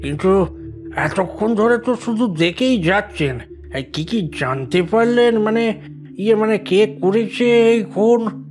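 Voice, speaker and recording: An actor playing a frightened elderly homeowner who stammers and pleads anxiously, in a Bengali radio drama. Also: male voice, sits high, slow, darkish tone, soft background music. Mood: pleading. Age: older. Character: frightened old male house owner.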